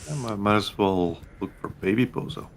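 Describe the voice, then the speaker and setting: A man's voice: on the low side, normal speed. A man commenting casually as he plays a game with others. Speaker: gameplay commentator. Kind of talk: casual chat while playing a game.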